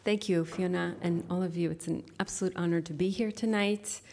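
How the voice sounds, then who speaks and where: A woman speaking as a poet at a live reading, with measured, deliberate phrasing into an event microphone. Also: lowish voice, steady tone, gravelly, darkish tone. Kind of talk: live poetry reading with informal introduction. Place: live literary event before an audience.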